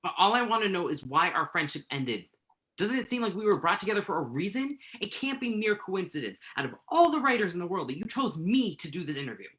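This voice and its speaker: Woman as guy writer in a play reading, low bright voice, swings around a lot, argues hard and jokey. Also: very animated, fast talker. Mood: earnest, pleading. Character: male writer Tim, pen name Tuck, joking, wounded, insistent. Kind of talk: virtual staged play reading.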